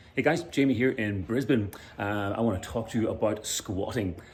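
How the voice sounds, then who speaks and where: With a strong Northern Irish accent, a man talks at a fairly quick pace in a fairly low pitch with ordinary pitch variation, over noticeable background noise. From Northern Ireland. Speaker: fitness DIY vlogger. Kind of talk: tutorial. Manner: casual, hesitant with frequent fillers.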